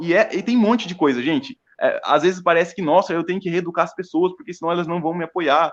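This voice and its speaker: Speaking at a very fast pace, a man leaves hardly any pauses. His voice is high in pitch, with ordinary pitch variation. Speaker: web radio host. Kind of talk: political talk show. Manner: hesitant fillers.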